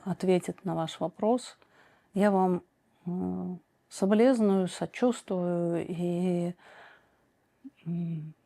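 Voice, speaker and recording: Mellow-voiced woman giving slow, measured advice. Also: fairly low pitch. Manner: slow, deliberate, many pauses and hesitations; reads viewer questions aloud, then answers directly. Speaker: psychoanalyst answering viewer questions. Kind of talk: calm measured advice monologue.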